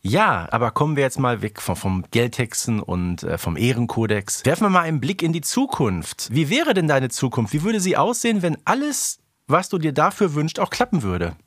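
A man's voice: mid-range voice, sing-song, moderate pace, hardly any pauses, a bit bright, no room sound, studio quality. A man co-hosting a fan podcast in a casual, conversational style. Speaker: podcast co-host.

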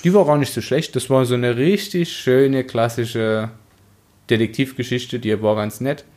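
A man's voice: mid-range voice, unhurried, darkish tone. A man co-hosting a podcast, talking in a casual, chatty style. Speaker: podcast co-host. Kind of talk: casual chat.

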